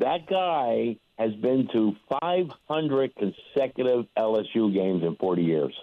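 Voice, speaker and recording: A man with an American accent speaks at a very slow pace, his medium-pitched voice making very wide pitch swings. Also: very even loudness. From New Jersey. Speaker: radio caller, former hotel manager. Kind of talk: call-in chat.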